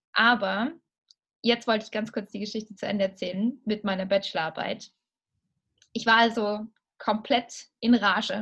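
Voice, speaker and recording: The voice belongs to a woman. It sits fairly high. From Austria, Salzburg. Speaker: author and menstruation activist. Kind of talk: interview conversation. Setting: studio, face to face.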